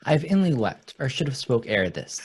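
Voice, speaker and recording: A man with a husky voice playing a pious, wordy royal counsellor in a Shakespeare radio play. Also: medium pitch, sing-song, moderate pace. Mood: reverent, joyful.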